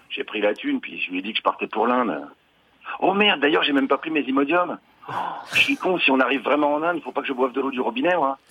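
A man's voice: medium pitch, fairly bright tone, slightly rough, low-quality recording. A man playing a crude, lost explorer captain who grumbles in slang in a comedy sketch.

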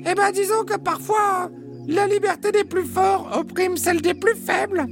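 Man doing a squeaky flustered hen. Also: steady tone, normal speed, gravelly, soft background music. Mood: reflective. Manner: hesitant, stammering with fillers. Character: fussy flustered hens, female, small, hesitant.

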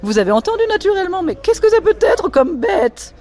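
A shrill, pompous society lady. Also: very animated, brisk, darkish tone. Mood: affected complaint. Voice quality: shrill, affected and grandiose. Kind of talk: reading a novel aloud.

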